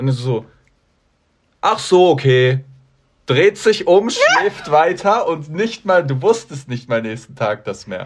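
Very slowly, a man speaks with long, frequent pauses. His fairly high voice swings very widely in pitch. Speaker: podcast co-host. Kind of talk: casual chat.

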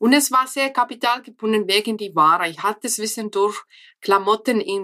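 A woman speaks with a Finnish accent in a bright, sharp tone at a fairly high pitch. The sound is dry and close with no echo, on a very clean recording with a silent background. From Finland. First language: Finnish (speaking German). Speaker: entrepreneur and speech coach. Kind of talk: interview.

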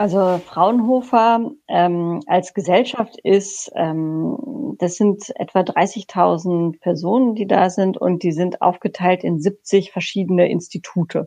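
A woman with a dark, mellow tone and medium pitch speaks at a very slow pace with hardly any pauses and ordinary pitch variation. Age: 30s. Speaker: designer and research team lead. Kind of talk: interview conversation. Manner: frequent fillers, hesitant.

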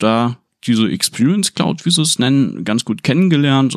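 The speaker is a man whose pitch swings very widely. He keeps a moderate pace. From East Frisia, northern Germany. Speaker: web analytics specialist. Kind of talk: casual chat. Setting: studio.

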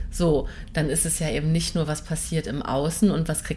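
Talking proceeds at a moderate pace. The voice belongs to a woman. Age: 40s. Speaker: podcast host and photographer. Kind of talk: casual interview chat. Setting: in person at a publisher's office.

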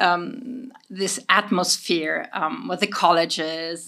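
A woman speaks in a German accent at a medium pitch. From Germany, Bayreuth (Bavaria). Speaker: chemistry professor. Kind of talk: interview. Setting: studio.

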